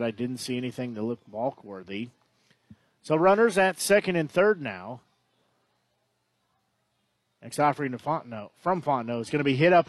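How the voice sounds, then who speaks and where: Calling baseball play by play, this announcer has a fairly high-pitched voice and a conversational style, often stopping to correct himself. There is slight background noise.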